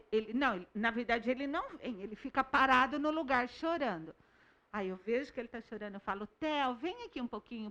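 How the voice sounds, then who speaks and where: A woman teaching a recorded Bible school lesson, calmly explaining with stories from her classroom. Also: a little high, lo-fi sound.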